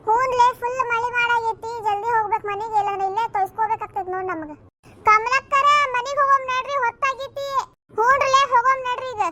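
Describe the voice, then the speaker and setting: Shrill, bright cartoon village gossips with a North Karnataka accent, quick scolding banter. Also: female voice, a little hiss or hum. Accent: North Karnataka Kannada. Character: gossipy village women, bickering, adult. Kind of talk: cartoon comedy dialogue.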